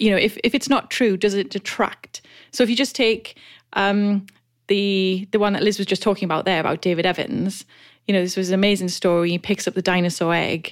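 On a very clean recording with a silent background, a woman with an unremarkable speaking voice talks at a fairly quick pace, her medium pitch carried by fairly even intonation. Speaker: podcast co-host and university lecturer. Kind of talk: casual conversation.

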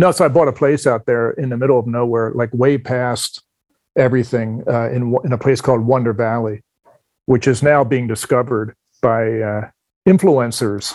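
A man with an American accent, a plain, everyday voice, medium pitch, ordinary pitch variation and a moderate pace. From New Jersey. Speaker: musician and producer. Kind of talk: interview.

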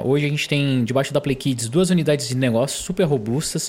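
The pitch rises and falls in a normal way. It is an unremarkable speaking voice. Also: man. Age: 30s. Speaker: games studio executive. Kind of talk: interview.

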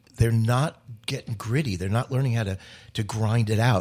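A man with a medium pitch and a somewhat breathy voice talks at a fairly quick pace in a very clean recording with a silent background. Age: 60s. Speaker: restaurant coach and former chef. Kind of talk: casual interview chat.

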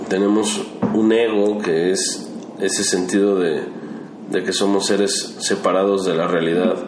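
Amid noticeable background noise and audible room echo, a man speaks at a fairly slow pace with a fairly low pitch, monotone, flat intonation and very even loudness. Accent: Mexican. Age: 40s. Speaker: entrepreneur. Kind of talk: casual chat.

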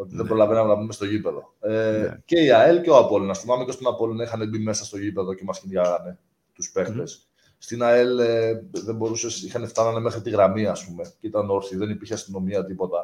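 A man's plain, everyday voice at medium pitch, with ordinary pitch variation, a moderate pace, hardly any pauses and big swings in loudness. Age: 40s. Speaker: basketball player. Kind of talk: casual chat.

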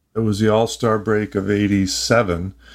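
A normal speaking voice with fairly even intonation is captured in a very clean recording with a silent background. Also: man. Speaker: former baseball player. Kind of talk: interview.

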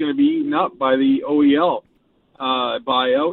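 This man has a plain, everyday voice with a fairly high pitch. He talks at a fairly slow pace with ordinary pitch variation. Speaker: caller. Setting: phone call.

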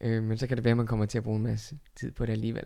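A man's medium-pitched voice, dark and mellow in tone, with flat, monotone intonation. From Denmark, Funen. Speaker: company co-founder. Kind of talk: interview.

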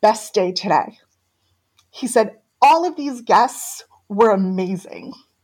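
A somewhat breathy, fairly high woman's voice, very slow in pace, with lively intonation. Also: long, frequent pauses. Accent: American. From US Northeast. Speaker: podcast host.

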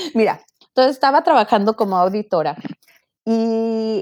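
A woman with an unremarkable speaking voice, at a moderate pace with ordinary pitch variation, on a very clean recording with a silent background. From San Francisco Bay Area, born in Jalisco, Mexico. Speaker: business consultant. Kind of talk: interview.

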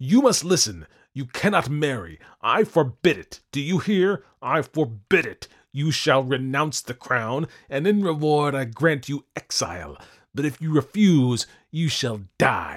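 Shouting in a put-on character voice, a man projects at a fairly high pitch with lively intonation and a fairly slow pace. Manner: shouting, threatening.

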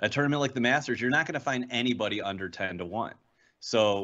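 At a fairly quick pace, a man with a plain, everyday voice speaks with ordinary pitch variation. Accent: American. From Cleveland, Ohio. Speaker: sports bettor. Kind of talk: casual interview.

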